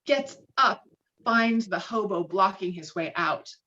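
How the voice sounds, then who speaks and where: A woman reading screenplay stage directions with dramatic, expressive delivery over a video call. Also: mid-range voice, unhurried, lo-fi sound. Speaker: stage directions reader at a table read.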